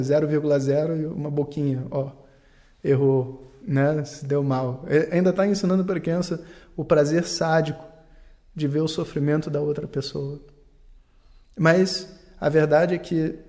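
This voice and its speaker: Man, teacher type, mellow and slightly high voice, calm explanatory delivery. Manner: calm, explanatory, acts out little dialogues. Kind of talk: talk on learning and mistakes.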